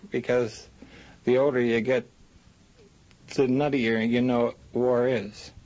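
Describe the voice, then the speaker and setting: A man reminiscing casually in an interview, haltingly searching for his words. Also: mid-range voice, flat delivery, a little mellow. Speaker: interviewee recalling a wartime pilot. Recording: muffled recording with faint background noise.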